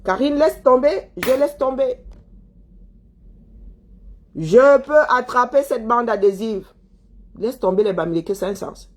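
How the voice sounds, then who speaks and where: Pitched on the high side, this Cameroonian woman talks at a measured pace and pauses often. Answering viewers as a commentator, she launches into a heated, scolding monologue full of repetition and rhetorical questions.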